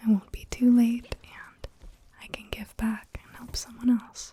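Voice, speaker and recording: A soft-spoken woman's fairly high voice in a monotone, flat intonation. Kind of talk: gaming ASMR commentary.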